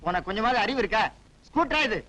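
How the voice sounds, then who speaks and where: An actor playing an irritated passer-by on a bicycle, exasperated and scolding. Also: male voice, high-pitched, lively intonation, fast talker, pushed and bright, low-quality recording.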